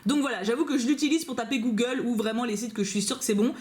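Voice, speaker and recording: Bubbly woman YouTuber, slightly high voice, rapid casual chat to camera. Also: a little mellow. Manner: chatty, bubbly, many fillers and asides. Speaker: YouTuber reacting to fan mail. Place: at home on a couch, dog nearby.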